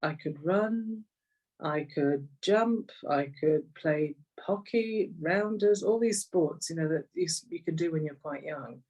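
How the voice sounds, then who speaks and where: In a muffled recording made far from the mic, a middle-aged executive coach speaks slowly in a deep, slightly mellow voice with an English accent. Being interviewed, she reflects conversationally on her life from Kenya to rural England, repeating phrases to stress them.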